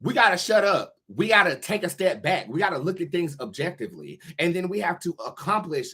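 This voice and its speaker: An American man hosting a live tarot reading show, talking in sassy, expressive slang with plenty of swearing. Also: sits high, brisk, slightly rough. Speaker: tarot reader and show host.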